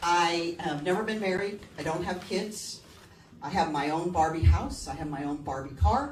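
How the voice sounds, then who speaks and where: Lively intonation and a moderate pace come through audible room echo and noticeable background noise. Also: woman, fairly low pitch for a woman. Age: 70s. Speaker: comedian. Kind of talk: stand-up. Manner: conversational.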